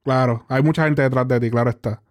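A man's voice: medium pitch, fairly even intonation, quick pace. A man with a Caribbean Spanish accent hosting a casual interview, switching between Spanish and English in Spanglish. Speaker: interviewer and show host.

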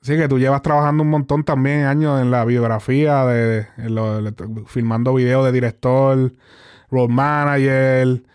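A man's voice: medium pitch, level tone, moderate pace, a little mellow, smooth. A man with a Caribbean Spanish accent hosting a casual interview, switching between Spanish and English in Spanglish. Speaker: interviewer and show host.

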